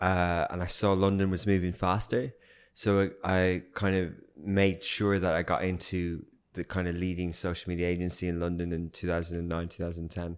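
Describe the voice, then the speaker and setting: On a very clean recording with a silent background, the speaker talks at a moderate pace in a monotone, flat intonation. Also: man, very deep, low pitch for a man. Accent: Irish. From southeast Ireland. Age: 30s. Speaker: media entrepreneur. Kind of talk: interview.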